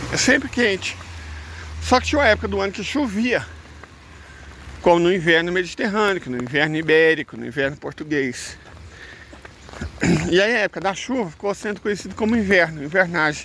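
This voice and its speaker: A man with a high voice talks fairly quickly and with lively intonation, yet pauses long and often. Noticeable background noise is present. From southern Goiás, Brazil (Catalão/Itumbiara area). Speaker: video essayist. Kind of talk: casual educational monologue.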